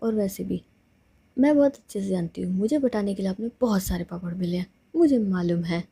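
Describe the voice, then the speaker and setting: A woman's voice: mid-range voice, fairly quick, gravelly, dark tone, slightly rough. A woman voicing a curious young woman in love who keeps pestering her girlfriend with questions in a told love story. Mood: pleading. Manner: pleading, pestering.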